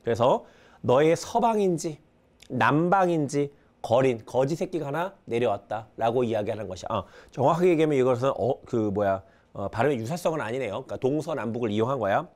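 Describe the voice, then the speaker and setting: A man's voice: mid-range voice, lively intonation, a little fast, darkish tone. A male teacher giving a casual exam-prep lecture on a classic novel, quizzing students and reading lines aloud. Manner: reads character lines aloud with brief dramatizing.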